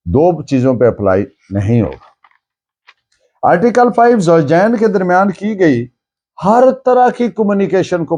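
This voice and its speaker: A Pakistani man teaches law in a higher-pitched, very animated voice. His tone is soft-edged and mellow, and he explains didactically, stressing and repeating key phrases with English legal terms mixed in. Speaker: law lecturer. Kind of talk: lecture, explaining and dictating case citations.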